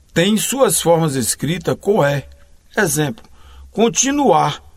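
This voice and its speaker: A male grammar teacher giving a lesson, spelling out letters one by one and answering his own questions. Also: a little high. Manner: slow, deliberate, spells out letters and pauses between phrases. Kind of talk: recorded classroom lesson.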